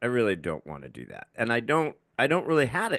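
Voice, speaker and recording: A man speaks at a very fast pace with vocal fry and a medium pitch, his voice dry and close with no echo against a quiet background. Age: 60s. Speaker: podcast host. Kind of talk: casual chat.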